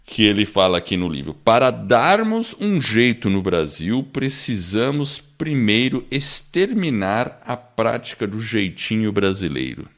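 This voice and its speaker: A man with a São Paulo accent, co-hosting a podcast in casual book-discussion chat, chatty and quick to laugh, often tagging lines with a questioning "né?". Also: fairly low pitch, big pitch swings, a bit bright. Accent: São Paulo Portuguese. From born in the United States, raised in Brazil. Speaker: podcast co-host.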